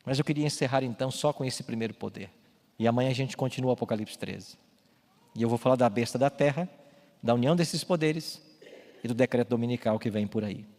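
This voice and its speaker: A man preaching a sermon as a pastor in a church, speaking emphatically and building to loud calls. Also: mid-range voice, a little fast. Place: church with baptismal tank. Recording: long hall reverb, faint music.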